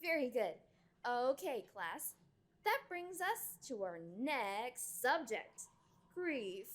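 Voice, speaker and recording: Audio drama schoolteacher: high, very animated, saccharine and preachy. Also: female voice, heavily acted. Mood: polite. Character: saccharine, stern class teacher lecturing on anger.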